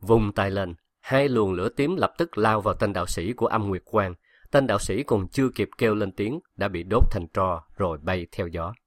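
A man reads a fantasy novel aloud in a lowish voice, keeping his delivery steady and even. The sound is dry and close, with no room around it. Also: normal speed, no room sound. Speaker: audiobook narrator. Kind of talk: scripted narration of a web novel.

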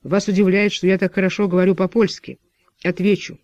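Man reading as a weary guarded doctor, curt replies, fairly high voice, muffled sound. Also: little pitch movement, a little fast, darkish tone, no echo.

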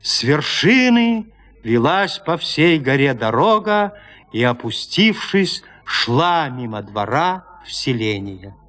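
A man narrating a classic literary tale in an expressive storytelling manner. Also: on the high side, slow pace.

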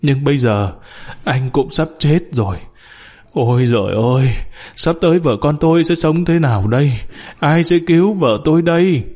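A man's voice: mid-range voice, animated, moderate pace, a little mellow, close to an everyday voice. A man voicing a bitter underling who mocks, accuses and wails at his old boss. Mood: sobbing. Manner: mocking, accusing, wailing. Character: bitter downtrodden male underling, scornful, sobbing.

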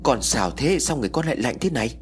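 A caring, anxious mother who soothes her child in a gentle, slightly raised voice, as a man acts her out. Soft music lies under this spoken ghost story. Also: mid-range voice, very animated, fast talker, close to an everyday voice. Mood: worried. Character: caring worried mother, Cô Lan.

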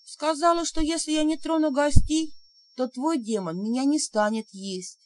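A woman voicing a timid little male house spirit, squeaky and plaintive. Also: normal speed, darkish tone, lightly acted. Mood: pleading.

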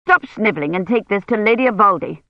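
A narrator voicing an imperious, complaining old noblewoman who gives sharp commands and keeps insisting. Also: medium pitch, animated, fast, no echo, muffled recording, lightly acted. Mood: commanding.

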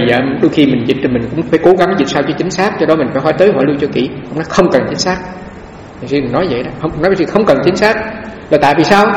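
A man speaks as a monk, telling a story in a Dharma talk at a brisk, lively clip. His voice sits somewhat high, and he often trips over repeated little words while reaching for the next thought. He is heard from across a large hall, with a long, echoey reverb and faint noise behind him. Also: distant mic. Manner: animated, repeats words while searching for them.

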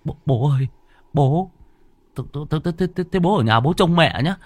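A man's voice: big pitch swings, normal speed, fairly bright tone, heavily acted. A man doing a panicky, pleading young son. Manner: high, pleading, stammering.

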